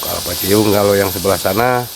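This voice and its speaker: Sundanese guy, lowish voice, slow explainer w lots of uh, hissy outdoor audio. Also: gravelly. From West Java, Sundanese. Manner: unhurried, hesitant with fillers, explains at length. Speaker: site caretaker and guide. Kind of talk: casual explanatory interview. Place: outdoors at a wooded sacred site.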